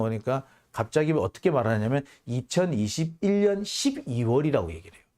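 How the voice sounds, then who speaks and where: A man's voice: on the high side, darkish tone. A man hosting his own channel, giving an indignant news commentary monologue full of rhetorical questions. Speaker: journalist and channel host.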